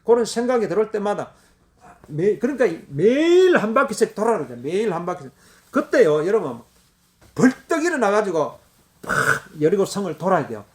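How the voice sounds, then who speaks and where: Lively high-pitched Korean preacher man. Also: a little fast. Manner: repetitive, emphatic preaching with sudden loud exclamations. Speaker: pastor. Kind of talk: sermon.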